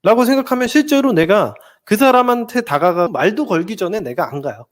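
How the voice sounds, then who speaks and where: A man's voice: sits high, a little fast. A man working as a relationship counselor, lecturing viewers and acting out dialogue examples. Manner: animated, acts out examples in dialogue.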